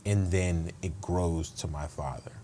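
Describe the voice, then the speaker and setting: A man's voice: deep voice, fairly even intonation, a little slow, warm tone, slight background noise. A man speaking as an interview guest, earnest and reflective, often restarting his sentences. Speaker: guest, state attorney. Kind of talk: conversational interview.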